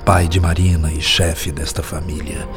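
An actor playing a wise, patient spirit mentor in a radio drama, speaking in a measured, instructive, solemn way. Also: male voice, rumbling low, level tone, music in the background. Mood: solemn instruction.

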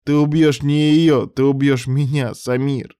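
A man's voice: medium pitch, level tone, a little slow, dark tone, clear, resonant tone, dry recording, studio quality, pitched above the performer's own voice, lightly acted. A man voicing a remorseful, broken old father who pleads in a wheezy, tearful voice in an audiobook. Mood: tearful pleading. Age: older. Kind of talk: audiobook character voice.

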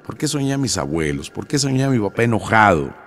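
A man's voice: on the low side, very animated, quick pace, fairly bright tone. A middle-aged man, telling stories conversationally and recounting talks with people, with frequent fillers. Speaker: storyteller. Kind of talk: casual storytelling to an audience.

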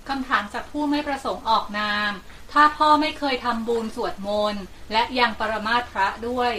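A woman's voice: a little high, moderate pace, sharp tone. A woman politely reading out questions sent in by listeners. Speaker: reader of submitted questions. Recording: distant mic with faint noise.

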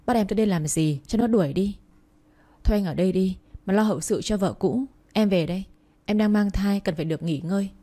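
A woman's voice: medium pitch, mellow, lightly acted. Woman voicing a snappish, scornful stepmother. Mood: complaining. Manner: scolding, rapid, contemptuous. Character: arrogant pregnant stepmother, sharp-tongued.

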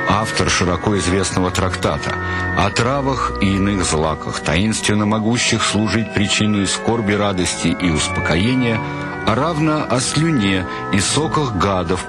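A man reading a formal, stately narration in a radio play. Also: sits low.

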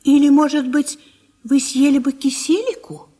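An actress playing an attentive old country wife in a radio play, solicitous and gently coaxing. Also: female voice, high voice, moderate pace, close to an everyday voice. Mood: caring, coaxing.

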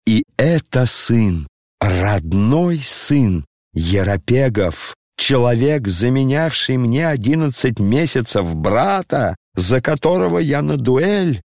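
A man reading an audiobook and voicing an aging, disgraced retired general who talks slowly, tearfully and pompously. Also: mid-range voice, very animated, a little mellow, no room sound, clean studio sound. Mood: maudlin. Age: over 60. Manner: slow, tearful, declamatory, pompous.

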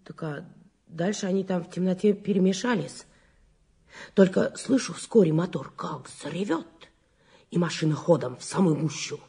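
A woman's voice: on the low side, moderate pace, creaky, dark tone, slightly rough, exaggerated voice. An actress playing a talkative, folksy older woman eyewitness in an audio drama, speaking in a rustic, colloquial way. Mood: eager, gossipy. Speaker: witness. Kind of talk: Russian audio drama acting.

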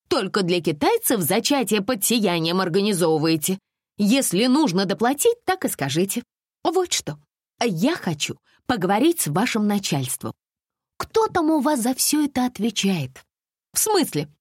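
A woman voicing a flighty, demanding woman of thirty, Alice, with a shrill, petulant manner. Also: darkish tone, dry recording, studio quality.

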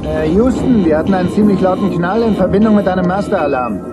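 A man's voice: high voice, animated, fast talker, loud music behind the voice. A man acting a brash, plain-spoken astronaut crewman in a dubbed film drama. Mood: alarmed.

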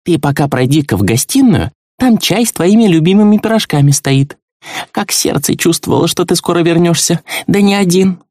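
A man voicing an emotional old woman who scolds and fusses in a shrill voice. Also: lively intonation, normal speed, darkish tone, no room sound, studio quality. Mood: fussing. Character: older woman, tearful and fussing.

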